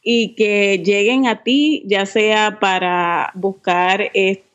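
A woman's voice: mid-range voice, fairly even intonation, very slow, highs cut off. A woman podcaster chatting as an interview guest, laughing often, self-mocking and dropping in English words. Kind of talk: casual interview chat.

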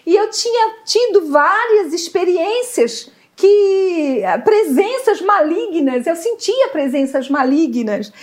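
A middle-aged woman giving an emotional faith testimony, earnest and halting, often searching for words. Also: very high voice, animated. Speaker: guest sharing testimony.

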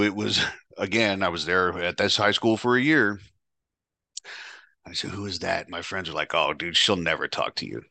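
A man's voice: low voice, sharp tone, dry recording. A man hosting a podcast, telling a painful personal story in a raw, profane way, stumbling and restarting often. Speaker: podcast host.

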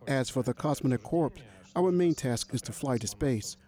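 A man answering interview questions in a steady, formal way. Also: medium pitch, normal speed.

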